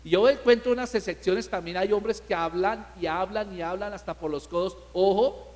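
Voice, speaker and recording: A man's voice: high-pitched, in a large hall. A male pastor preaching a sermon, emphatic and full of rhetorical questions to the congregation.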